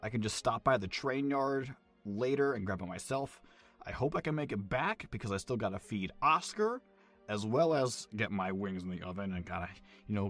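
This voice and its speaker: An actor playing a goofy male train conductor leaving a rambling, self-deprecating voicemail. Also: fairly low pitch.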